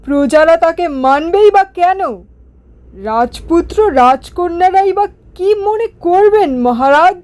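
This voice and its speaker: A woman's voice: very high-pitched, measured pace, darkish tone. A woman voicing an earnest, cautious royal minister in a cartoon storybook tale, deferential yet argumentative. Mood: questioning, concerned.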